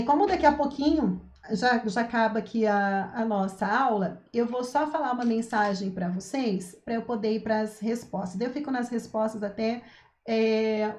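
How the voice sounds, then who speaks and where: A woman's voice: on the high side, darkish tone. Brazilian woman teaching parents in an echoey room. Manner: didactic, repeats points with "tá?" and "né?". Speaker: parenting educator. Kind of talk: live-streamed talk to parents.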